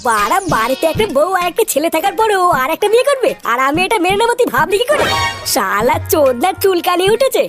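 A very high, animated cartoon voice of a scornful male troublemaker. He talks fast and crudely, indignant and insistent, with music playing behind him. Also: full character voice. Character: scornful, foul-mouthed male troublemaker out to spoil a wedding. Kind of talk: Bengali comedy cartoon dub.

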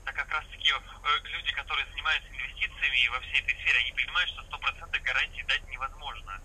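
A man giving a formal, patient phone sales pitch as an investment salesman, heard through a phone speaker in a vehicle. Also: steady tone, fast, pushed and bright, slightly rough, rough recording. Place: phone speaker inside a parked vehicle cab.

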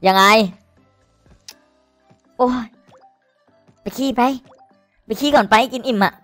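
A man giving excited, crude commentary while streaming a slot game, cursing and pleading at the screen. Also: extremely high pitch, takes it slowly, no room sound, soft background music.

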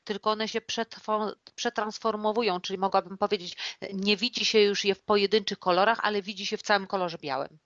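A woman with a mid-pitched voice explaining ideas patiently, restarting phrases as she goes. The recording is close and dry with a dull, lo-fi tone. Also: fairly even intonation, a bit bright, no echo. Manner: explains slowly with restarts and examples. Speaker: clairvoyant co-host answering viewer questions. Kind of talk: casual studio chat.

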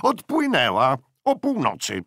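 A man doing a loud, scolding naval commander. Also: a little high, wildly swooping pitch, a little slow, no echo, clean studio sound, voice pushed up, heavily acted. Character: gruff, short-tempered naval commander, older man. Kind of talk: audiobook character voice.

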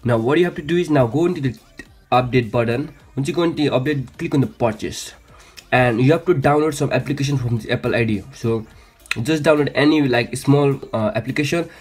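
A man's voice: mid-range voice, fairly quick, a little mellow, husky. A man hosting a casual phone how-to, stumbling and repeating his phrases as he goes. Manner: hesitant, repetitive phrasing with frequent stumbles. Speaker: tech tutorial host. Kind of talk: casual how-to screen demonstration. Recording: music behind, some background noise.

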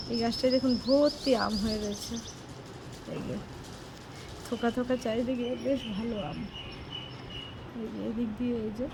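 A chatty woman vlogging on a handheld phone gives a casual home tour. Her voice sits a little high, with clear background noise under it. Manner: chatty, points things out to viewers. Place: new flat and surroundings in a city, indoors and on a balcony. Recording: noisy phone recording.

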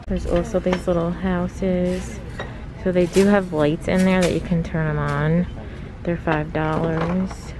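A woman vlogger narrating a shop-with-me video in a store, calmly listing items and their prices. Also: on the low side, measured pace. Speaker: lifestyle vlogger. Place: large retail store, indoors. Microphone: handheld phone camera. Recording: noisy store ambience. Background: store ambience.

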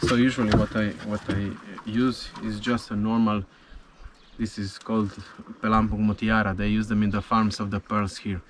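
A man's voice: on the low side, little pitch movement, normal speed, slight background noise. Man explaining gear on a boat. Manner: non-native English with small slips, patient explaining. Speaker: spearfishing vlogger. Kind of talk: casual explanation to camera. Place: small wooden boat on the sea, outdoors. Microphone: camera on the boat. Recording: music underneath.

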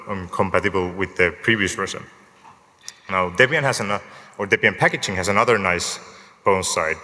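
A man speaks at a conference lectern, his fairly low voice bright and forward. He explains software in a relaxed way with the odd dry joke and quizzes the audience. The lectern microphone picks up the long reverb of a large hall. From Finland. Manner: relaxed, lightly joking, asks the audience show-of-hands questions. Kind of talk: technical conference talk.

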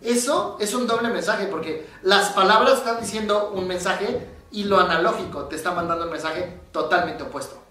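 Mexican male psychologist, casual animated explainer, high voice, roomy echo, off-mic. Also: moderate pace, far from the mic. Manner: animated storyteller, acts out quoted voices. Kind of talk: casual explanatory talk to camera. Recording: very echoey room, voice from off the mic.

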